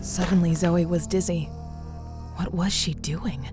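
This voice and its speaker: A woman narrating a scripted drama in a measured, suspenseful way. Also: lowish voice, steady tone. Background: music.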